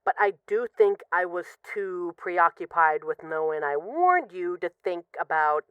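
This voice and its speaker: A woman playing an apologetic, lovesick mafia boss who is guarded but vulnerable, speaking haltingly and confessionally in an intimate audio roleplay phone call. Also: fairly low pitch, expressive, smooth, no echo. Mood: contrite, tender. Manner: halting, confessional, with pauses and sighs.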